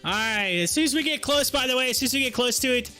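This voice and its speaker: A man's voice: very high voice, expressive, fast, sharp tone, soft background music. A man hosting a livestream with casual, chatty commentary, talking informally and directly to his viewers. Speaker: livestream host. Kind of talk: casual live stock-chart commentary.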